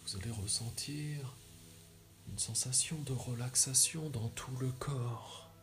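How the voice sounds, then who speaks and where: Slow-paced man guiding a relaxation. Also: mid-range voice, fairly bright tone. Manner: soothing, measured instructions with long pauses. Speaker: yoga nidra guide. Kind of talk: guided relaxation meditation.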